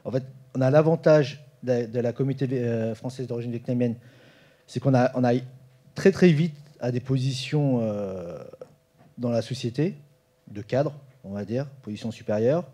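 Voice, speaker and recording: Very dark-voiced man speaking at a panel. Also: medium pitch, normal speed. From France. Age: 40s. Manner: hesitant, many fillers and restarts. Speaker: roundtable panelist. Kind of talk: informal conference talk. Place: conference room.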